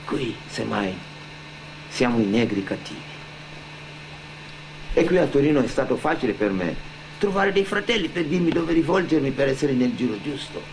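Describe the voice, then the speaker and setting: An actor playing a defiant young immigrant drug dealer in a colloquial theatrical monologue, swearing and throwing out pointed questions. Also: male voice, medium pitch, lively intonation, normal speed, long pauses, slight background noise, close to an everyday voice, rough recording. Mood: wry. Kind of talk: theatrical first-person monologue.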